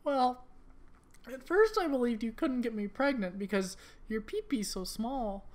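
A woman's voice: fairly high pitch, animated, measured pace, a little mellow, pitched below the performer's own voice. A woman voicing an earnest, anxious young female cartoon rabbit in a dramatic amateur comic reading. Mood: apologetic, anxious. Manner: pleading, dramatic.

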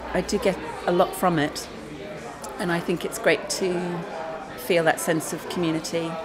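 A woman in her forties speaks in an earnest, conversational way, her voice a little low. People chat in the background of the hall. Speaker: churchgoer. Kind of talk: casual testimonial. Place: church hall.

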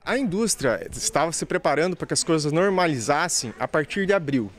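Higher-voiced man explaining in a pharmacy. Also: lively intonation, fairly quick. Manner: explanatory, frequent tag questions. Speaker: pharmacy representative interviewed. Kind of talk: news interview answer. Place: pharmacy shop floor, indoors. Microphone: handheld reporter mic.

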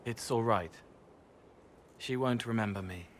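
An actor voicing a gentle, haunted young spirit man in a video game, eerily empathic and speaking in halting, dreamlike fragments. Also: fairly low pitch, slight background noise. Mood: soft, earnest.

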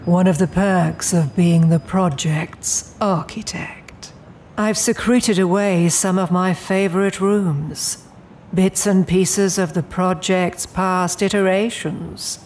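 A woman's voice: on the low side, steady tone, slow pace, a little mellow, a little hiss or hum. A woman playing a poised, menacing immortal demon in an audio drama, speaking in a genteel, coolly imperious way. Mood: composed, reflective.

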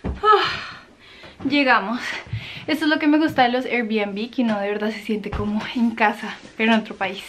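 A woman's voice: a little high, moderate pace, fairly bright tone, slight background noise, rough recording. Chatty Colombian woman vlogging. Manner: chatty and upbeat, laughs often. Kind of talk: casual travel vlog talk to camera.

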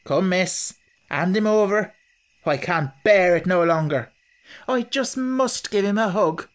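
A narrator voicing a brash gypsy mother of many children who speaks in a loud, coarse country dialect. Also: medium pitch, measured pace, voice pushed up, natural voice. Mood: pushy.

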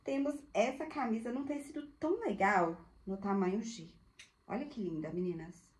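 A woman's voice: medium pitch, expressive, moderate pace, a little mellow. Woman, chatty thrift seller, gushing casual showcase. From Brazil. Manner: chatty, gushing, addresses viewers as girls. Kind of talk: casual live product showcase.

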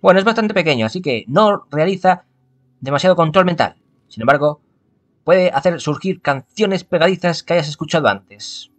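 Man playing scientist, higher pitch, lively intonation, dry, dismissive, explanatory, visual novel game character. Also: moderate pace. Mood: explaining.

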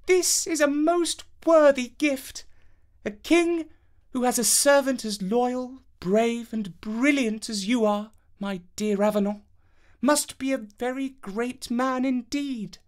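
A woman's voice: on the high side, slow, pitched above the performer's own voice. A woman voicing a gracious, effusive young fairytale princess with a genteel, exclaiming manner. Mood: delighted, admiring.

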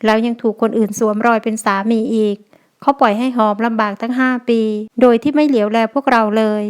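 A woman reading the lines of a young mother in an audio novel, soft and earnest. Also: a little high, fairly even intonation, a little fast, lightly acted. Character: young mother, wary but kind-hearted.

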